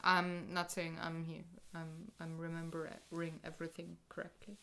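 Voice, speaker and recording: A young woman chatting casually about a board game, loud and animated, recorded on a couch at home. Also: deep voice, moderate pace, gravelly. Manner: chatty, animated, laughs often. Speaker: co-host. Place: living room couch, indoors.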